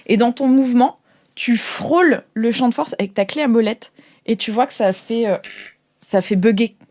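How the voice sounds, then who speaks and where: A woman's voice: on the high side, normal speed, a little mellow. Playful woman running a tabletop game. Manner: playful, informal, colloquial. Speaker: game master. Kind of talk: casual improvised tabletop game narration.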